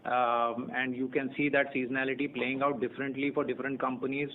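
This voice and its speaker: A man with an Indian accent gives unscripted executive answers on an earnings call, measured and halting, often repeating phrases as he searches for words. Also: medium pitch, flat delivery. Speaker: company executive answering analyst questions. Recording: tinny narrow-band phone conference line.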